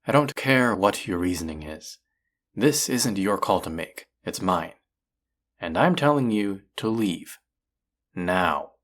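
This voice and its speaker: A man's voice: deep voice, lively intonation, slow pace, fairly bright tone, exaggerated voice. A man playing a proud, combative restaurant chef in an audio roleplay, indignant, condescending and sarcastic as he argues. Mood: curt, irritated. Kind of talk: audio roleplay acting, one-sided dialogue.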